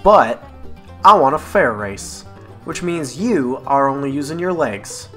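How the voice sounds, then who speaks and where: A woman's voice: a bass voice, animated, measured pace. A woman voicing a stubborn, competitive female farm pony, blunt and grousing, in a cartoon parody. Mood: grumbling. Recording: music behind.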